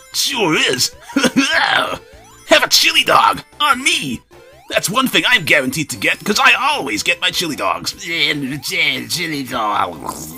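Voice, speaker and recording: Over clear background music, a man does a high-pitched, cartoonish character voice. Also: fairly slow pace. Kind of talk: silly cartoon voice. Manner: cocky, cheerful.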